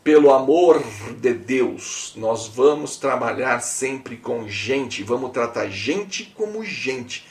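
A man's voice: medium pitch, animated, slow pace, few pauses, recorded from a distance. A man with a Brazilian Portuguese accent hosts a coaching podcast, speaking emphatically and straight to the listener. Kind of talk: podcast monologue.

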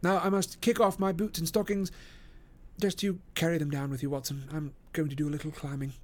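A man voicing a brisk, commanding Victorian detective in an audiobook, crisp and directive as he gives instructions. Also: a little high, level tone, a little mellow, voice pushed up, lightly acted. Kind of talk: audiobook character voice.

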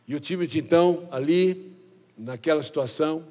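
A man's voice: on the high side, moderate pace, a little mellow, in a large hall. A male pastor from Brazil preaching a sermon, telling a story with lots of quoted dialogue and calling the congregation his brothers. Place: church.

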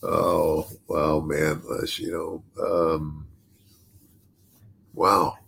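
Deep gravelly older man, halting. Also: level tone, a bit bright. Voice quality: deep bass voice. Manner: halting, repeats himself, laughs often. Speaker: podcast host and retired wrestler. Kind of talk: casual podcast chat.

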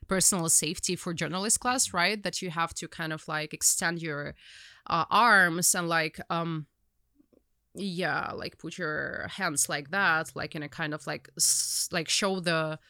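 A woman's voice: fairly low pitch, a little slow, sharp tone, no room sound, studio quality. A young woman with a Ukrainian accent, a journalist guest telling her story in casual conversation, rambling with many fillers and restarts.

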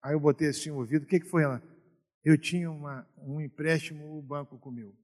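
Man, Brazilian accent, pastor, sermon, higher-pitched voice, reverberant church hall, quiet asides and loud exhortation. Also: steady tone, fairly quick. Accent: Brazilian Portuguese. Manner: storytelling preacher who swings from quiet asides to loud exhortation.

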